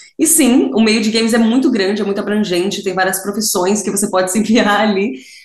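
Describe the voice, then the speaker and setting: A woman talks at a fairly quick pace with a fairly high pitch. Her pitch varies in an ordinary way, and the room echo is audible. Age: 20s. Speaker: gaming show presenter. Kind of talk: casual interview.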